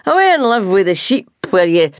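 A woman's voice: mid-range voice, big pitch swings, a little fast, dry recording, studio quality, voice pushed up, lightly acted. A woman voicing a belligerent drunk Scottish working man, an ex-soldier, with a slurring, sneering manner. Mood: taunting.

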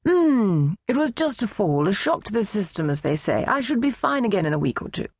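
A woman voicing a proud, sharp-tongued elderly mother who needles her grown daughter in an arch, dry way. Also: medium pitch, very animated, fairly quick, breathy edge, no room sound, pitched above the performer's own voice. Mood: wry. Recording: dry, close studio read.

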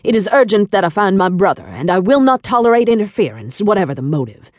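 A woman's voice: big pitch swings, fast, no room sound, close to an everyday voice. A woman voicing an imperious, impatient male shipping magnate in an audiobook, with a trace of French accent and a formal, commanding manner. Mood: impatient, stern. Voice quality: deep, smooth tone. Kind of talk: audiobook character dialogue.

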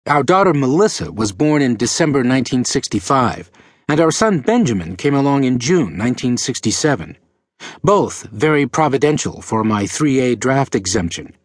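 A man reading a memoir aloud as an audiobook narrator, telling the story in a measured, expressive way on a close studio mic. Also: mid-range voice, dry recording.

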